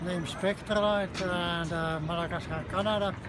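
Moderate-paced speech, dry with no echo, over loud background noise. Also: man. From Finland. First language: Finnish. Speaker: gemstone vendor. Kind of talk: interview answer. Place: market. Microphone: phone near.

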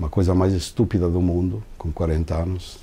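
Speaking at a moderate pace with a Spanish accent, a man has a very deep, low pitch, a somewhat breathy quality and a dark, mellow tone. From Bolivia, La Paz. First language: Spanish (speaking Portuguese). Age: 60s. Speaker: composer and guitarist; interviewee. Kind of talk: personal testimony interview. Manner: halting. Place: studio. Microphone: lapel.

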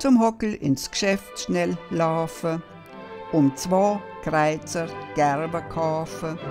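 Speaking in a Banat accent at a very slow pace, a woman leaves long, frequent pauses, and her fairly low pitch swings very widely. Music plays in the background. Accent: Banat Swabian dialect. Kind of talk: poetry reading.

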